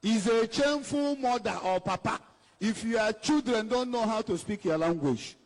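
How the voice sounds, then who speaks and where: High-voiced Nigerian preacher in an echoing hall. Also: male voice, expressive, normal speed. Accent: Nigerian English. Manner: scolding, emphatic, repeats phrases. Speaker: evangelist. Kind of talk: preaching to a congregation, switching between English and Igbo. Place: church hall with an altar. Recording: long hall reverb.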